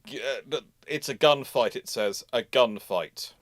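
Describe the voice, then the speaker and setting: A man hosting a casual panel discussion, reading out questions and answering them in a somewhat halting way. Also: mid-range voice, crowd noise. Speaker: livestream host answering questions.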